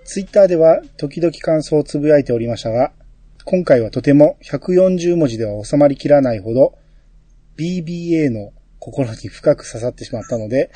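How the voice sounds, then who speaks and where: A man hosts a chatty podcast and reads listener mail aloud. His voice is mellow and slightly husky. The room sound is dry and close. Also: on the high side, animated, a little fast, no room sound, soft background music. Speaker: podcast host. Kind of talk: casual chat, reading listener mail.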